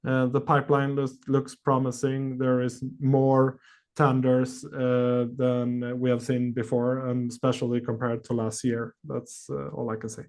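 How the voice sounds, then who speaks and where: A male executive fields questions on an earnings call in a medium-pitched voice. He speaks in a halting, hesitant way, often stretching out filled pauses as he builds his answer. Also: completely flat delivery, darkish tone. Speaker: company executive.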